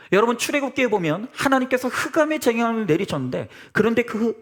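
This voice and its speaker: A man pastor preaching a Sunday sermon in a church service, earnest and direct, often addressing the congregation with rhetorical questions. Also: high voice.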